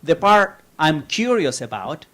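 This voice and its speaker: A man from Chile asking a long question from the audience at an academic talk, speaking in a measured way with frequent fillers. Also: on the high side, big pitch swings, a bit bright.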